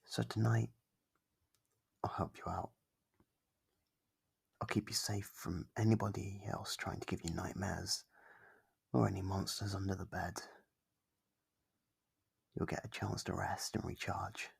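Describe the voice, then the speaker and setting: A kindly sleep paralysis demon, acted by a man, murmurs in a low, heavily creaking voice. The tone is husky and hesitant, gentle and apologetic, in an intimate ASMR roleplay style that soothes and reassures. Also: fairly even intonation, unhurried, long pauses, exaggerated voice. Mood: shy, reassuring. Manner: soft-spoken, hesitant, reassuring. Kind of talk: ASMR roleplay monologue, soft and close.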